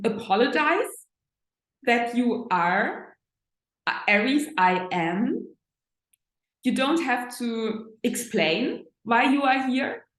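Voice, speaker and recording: A woman with a German accent, a German native speaker, giving a reflective spiritual talk as an astrologer, pausing to search for words. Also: a little high. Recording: echoey room.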